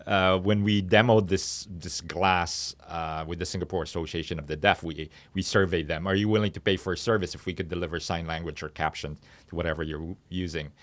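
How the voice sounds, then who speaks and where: Deep-voiced man explaining, somewhat halting. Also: fairly even intonation, fairly bright tone. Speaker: company founder, podcast guest. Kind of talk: explanatory interview talk. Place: podcast studio.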